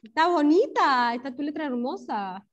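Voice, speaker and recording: A woman with a Chilean accent teaching an online class to young children, encouraging and praising pupils by name, drawing words out slowly syllable by syllable. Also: sits high, expressive, slight background noise. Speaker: primary school teacher. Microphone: video call. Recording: dull lo-fi video call audio.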